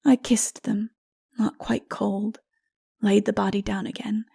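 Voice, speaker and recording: A woman narrating a novel in a dramatic, hushed and solemn, measured storytelling manner. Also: mid-range voice, little pitch movement, gravelly, breathy edge. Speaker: audiobook narrator. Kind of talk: dramatic scripted fiction narration.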